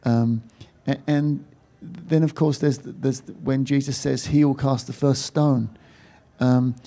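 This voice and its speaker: A man's voice: mid-range voice, fairly even intonation, takes it slowly, mellow. A man, a film producer, answering questions at a panel with emphatic storytelling.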